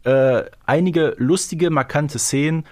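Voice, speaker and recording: A man's voice: fairly high pitch, slow. A man co-hosting a casual fan discussion, chatty and often seeking agreement with tag questions. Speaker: podcast co-host.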